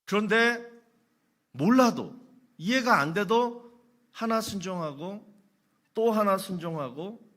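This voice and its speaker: Lively, bright-voiced pastor preaching. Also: male voice, high voice, takes it slowly, pauses often. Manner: lively preaching with rhetorical questions and humorous anecdotes. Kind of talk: sermon.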